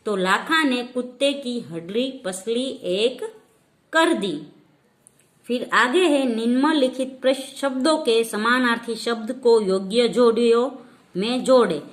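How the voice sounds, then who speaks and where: A woman teacher from India explains a school lesson to children in a slightly high voice. She talks slowly and methodically, dictating each answer step by step.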